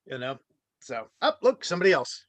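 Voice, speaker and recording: A man's voice: fairly high pitch, very animated, fairly quick, fairly bright tone, no echo. A middle-aged man chatting casually on a video call, rambling through anecdotes. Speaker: participant in a virtual table read. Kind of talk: casual chat.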